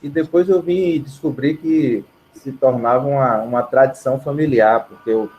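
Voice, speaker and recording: A man's voice: medium pitch, normal speed, lo-fi sound. A man from Bahia, telling stories casually as a musician guest in an interview. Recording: clear steady background noise.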